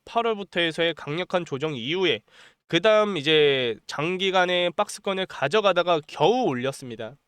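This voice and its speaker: A man with a cold delivers a pushy stock-market pitch, his voice a little high and smooth despite the strain. He keeps the tone urgent and promotional, circling back to the same points. The sound is close and dry with no room around it. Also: fairly bright tone, no echo. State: has a cold, voice a bit strained. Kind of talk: stock analysis monologue with sales pitch.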